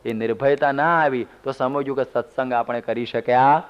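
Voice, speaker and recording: A man's voice: medium pitch, fairly even intonation, normal speed, smooth. A man, a monk, giving a sermon, telling homely stories with humorous asides. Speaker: monk giving a religious discourse. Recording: dull lo-fi CD recording.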